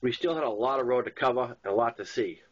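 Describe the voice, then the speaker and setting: Speaking fast with a breathy edge, a medium-pitched man reads from the first-person novel he wrote. His Boston accent comes through in a plain narration with occasional stumbles, captured on dull, lo-fi audio.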